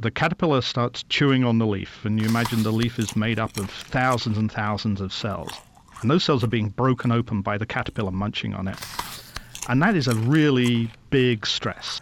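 A man talks at a moderate speed while noticeable noise carries on in the background. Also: medium pitch for a man, ordinary pitch variation. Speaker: botany professor. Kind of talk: interview explaining research.

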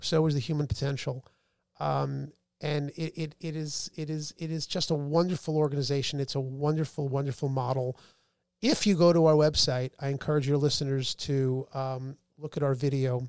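In a plain, everyday voice, a man with an American accent and fairly high pitch speaks at a moderate pace with fairly even intonation, captured in a dry, close sound with no echo on a very clean recording with a silent background. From New York, Westchester. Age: 50s. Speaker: mental health organization staff member. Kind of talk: casual chat. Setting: studio, in person.

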